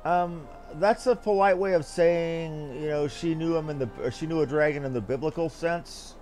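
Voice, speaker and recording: A man's voice: on the high side, moderate pace, a little mellow. A man streaming a game, reading its dialogue aloud theatrically and adding casual, offhand commentary. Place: game stream with music behind the voice.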